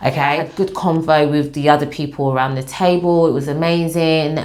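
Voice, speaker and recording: A woman in a London accent speaks fairly quickly with a very deep, low pitch. Noticeable background noise and audible room echo fill the recording. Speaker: vlogger. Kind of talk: casual storytime monologue.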